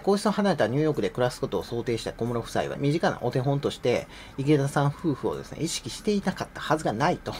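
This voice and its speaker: A man's voice: medium pitch, slight background noise. A middle-aged man giving sarcastic, mocking commentary in a casual, conversational way.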